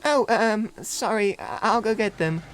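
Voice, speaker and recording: A man voicing an eager, naive young male diesel engine who talks excitably and stammers when sheepish. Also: sits high, a little slow, voice pushed up, low-quality recording. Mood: flustered. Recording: music playing behind.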